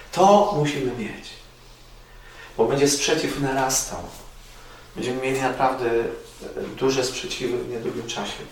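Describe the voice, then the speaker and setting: Man preaching in a very echoey space. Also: medium pitch. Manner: earnest, repetitive exhortation with sudden loud rises and soft drops. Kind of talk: sermon. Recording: very echoey, distant mic with faint noise.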